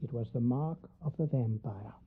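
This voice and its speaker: A woman playing a grave, commanding professor who hunts vampires, speaking formally and deliberately in a radio drama. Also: extremely low pitch, a little hiss or hum. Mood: grave, explanatory. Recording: tinny, narrow band like phone line.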